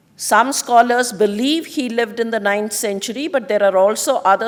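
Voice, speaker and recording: In a Tamil accent, a woman speaks at a fairly high pitch with ordinary pitch variation. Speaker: panelist. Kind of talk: panel presentation. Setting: auditorium with audience. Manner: formal.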